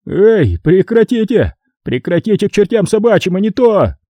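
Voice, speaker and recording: A greasy, cowardly caretaker, as a male narrator puts him on, squealing high and thin in an audiobook. His pleading bursts jump all over the place, and the recording is dry with no room sound. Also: very animated, moderate pace, mellow, no room sound, lo-fi sound. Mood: outraged. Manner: shrill panicky pleading. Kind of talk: audiobook character voice.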